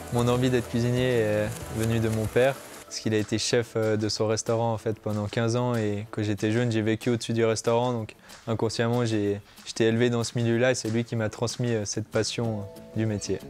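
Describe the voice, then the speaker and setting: The delivery is fairly quick, with a flat, monotone intonation. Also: man, medium pitch for a man. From French-speaking Switzerland, Gruyère. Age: 20s. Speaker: young chef, cooking competition candidate. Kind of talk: interview monologue, competition portrait. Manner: hesitant with many fillers.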